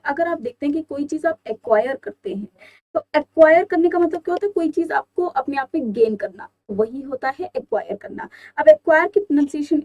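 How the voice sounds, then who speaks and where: A woman's voice: sits high, warm tone. A young woman with an Indian accent teaching an exam-prep vocabulary lesson, explaining each word and asking her students rhetorical questions. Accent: Indian English.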